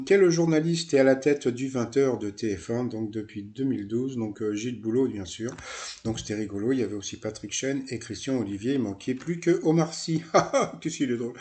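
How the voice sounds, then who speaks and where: A man talks through a recap of a TV quiz show in a loose, chatty way. His voice is mellow and dark, and he keeps stopping for fillers, side remarks and self-corrections. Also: mid-range voice. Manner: rambling, many fillers, asides and self-corrections. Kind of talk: casual recap commentary.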